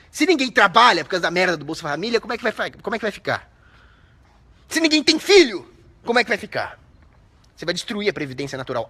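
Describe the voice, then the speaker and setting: A young Brazilian man hosting a live stream, reading viewer comments between indignant, profane rants. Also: sits high. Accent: Brazilian Portuguese. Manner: shouts out viewers' names. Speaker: livestream host.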